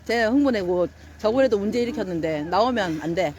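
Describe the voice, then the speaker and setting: A woman's voice: mid-range voice, animated, brisk, crowd noise. A woman at an outdoor protest who scolds the police, insistent and repeating her demands. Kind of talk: heated street confrontation.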